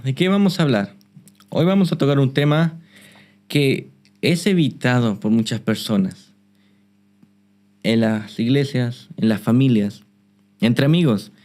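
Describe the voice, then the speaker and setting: A man hosting a Christian interview, measured, often repeating his guest's words back. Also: mid-range voice, very animated, darkish tone. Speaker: host.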